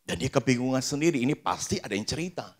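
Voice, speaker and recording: A man preaching as a pastor in a church service. He tells a story with lively dialogue, moving between hushed asides and loud bursts. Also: medium pitch, quick pace. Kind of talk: storytelling sermon.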